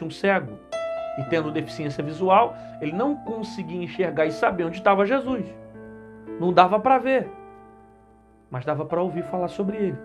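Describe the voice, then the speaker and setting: A man with a Brazilian Portuguese accent preaching a sermon as a pastor, exhorting earnestly and repeating his points. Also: a little high. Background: guitar music.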